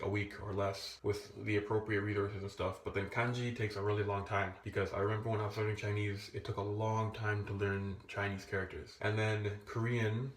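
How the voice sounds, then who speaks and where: A young man talking casually to camera as a language-learning vlogger, rambling and restarting his sentences. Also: fairly low pitch. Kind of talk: casual vlog talk. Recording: echoey room.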